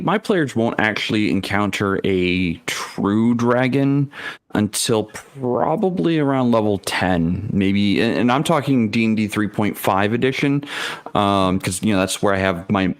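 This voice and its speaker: A man speaks in a low voice at a very slow, deliberate pace. He sounds like a game master on a casual panel, dryly sarcastic, with a close sound free of room echo. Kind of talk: casual tabletop gaming discussion.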